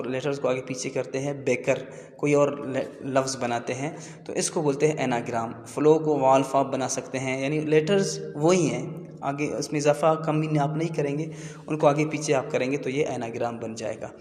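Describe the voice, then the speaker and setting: A man explaining English grammar terms in a slow, repetitive teaching manner. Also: mid-range voice, steady tone, darkish tone. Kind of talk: classroom lesson explanation. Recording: echoey room with long reverb.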